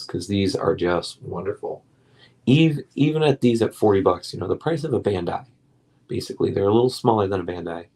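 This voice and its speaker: A young man hosting a relaxed late-night live stream, rambling with many ums and restarts, his voice getting hoarse. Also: deep voice.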